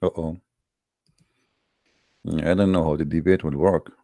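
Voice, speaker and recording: Deep-voiced, gravelly Arab-accented man hosting. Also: fairly even intonation, a little slow, warm tone. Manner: joking, sarcastic, teasing. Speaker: host of a live debate broadcast. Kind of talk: casual rambling live-stream talk.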